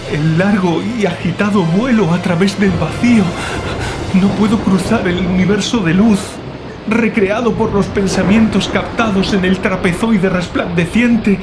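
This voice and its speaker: A man voicing a terrified writer descending into madness in a horror audiobook, anguished, halting and fevered in his declamation. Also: high-pitched, low-quality recording. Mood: fearful, feverish. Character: terrified male writer descending into madness, writing final frantic notes. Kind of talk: dramatized horror audiobook monologue. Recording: loud music under the voice. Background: loud music.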